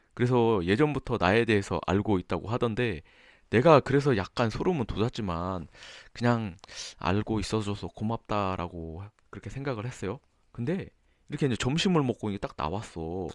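A man with a plain, everyday voice, fairly low in pitch, talks at a moderate pace with lively intonation against a quiet background, the sound dry and close with no echo. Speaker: vlogger, office worker in Japan. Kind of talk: casual vlog monologue.

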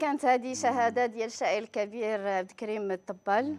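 A woman speaks at a moderate pace, her pitch fairly high. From Morocco. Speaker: TV talk show host. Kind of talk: interview. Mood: friendly, smiling. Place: studio. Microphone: lapel.

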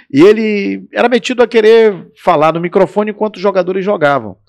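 A man's fairly quick speech is heard against a quiet background. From Belém, Pará, northern Brazil; Pará, Brazil. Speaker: football commentator and radio announcer; football commentator, radio announcer. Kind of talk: casual interview chat. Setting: studio. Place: studio. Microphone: studio mic.

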